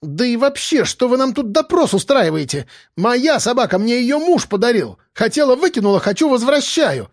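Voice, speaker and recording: A man's voice: very high voice, big pitch swings, moderate pace, few pauses, no echo, studio quality, voice pushed up, full character voice. Man putting on a screeching brash woman. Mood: indignant. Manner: screeching, indignant, yelling. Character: shrill brash quarrelsome woman.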